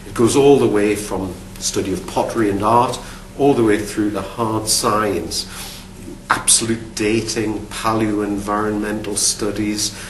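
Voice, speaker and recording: With a lowish, fairly bright voice, a man in his fifties from Newcastle upon Tyne, England, speaks in a Geordie accent as an archaeology professor answering interview questions to camera. He's thoughtful, often starting over and repeating words. The studio has a dark backdrop; a distant mic yields roomy audio and a faint hum.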